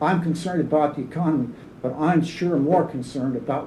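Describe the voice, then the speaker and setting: A man with an American accent speaks at a fairly quick pace, his pitch varying in an ordinary way. His tone is dark and mellow, somewhat breathy, with audible room echo. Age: 70s. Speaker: public commenter, Vietnam veteran. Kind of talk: public comment at government meeting. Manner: halting.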